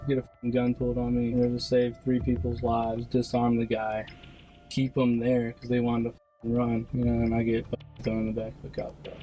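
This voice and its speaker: Dull lofi recording of a worked up guy venting and swearing, very monotone. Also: mid-range voice, a little fast, faint music behind. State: agitated. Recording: muffled lo-fi police video audio.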